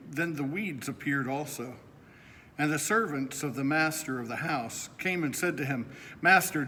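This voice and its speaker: Middle-aged pastor reading in a church. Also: male voice, on the high side, fairly bright tone. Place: church sanctuary, indoors. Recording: echoing church with faint noise.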